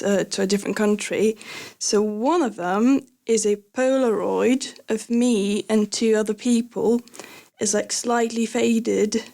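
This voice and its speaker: A young adult woman whose first language is Lithuanian, telling a personal story as a podcast guest, hesitant with many fillers and soft laughs. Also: mid-range voice. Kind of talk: casual conversational storytelling.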